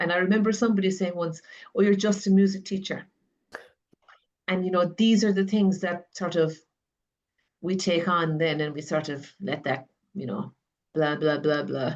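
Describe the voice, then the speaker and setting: A woman with an Irish accent speaks at a moderate pace, her fairly low pitch showing ordinary variation. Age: 60s. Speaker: choral conductor and music teacher. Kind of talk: panel discussion. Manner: halting, many repetitions and restarts.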